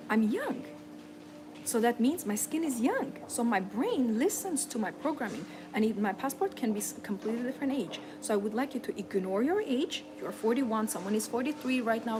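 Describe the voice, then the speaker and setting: A woman coaching her audience in a motivational seminar, earnest and repetitive, with non-native English phrasing. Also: fairly high pitch. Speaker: femininity and lifestyle coach. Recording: audible background noise.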